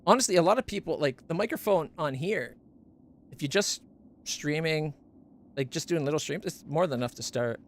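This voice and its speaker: Speaking from his home game-stream setup into a close studio condenser mic, a man chats casually about his gear. He concedes his fairly high voice isn't naturally deep, and he's expressive at a normal speed, rambling, self-correcting, and stumbling over names amid slight background noise.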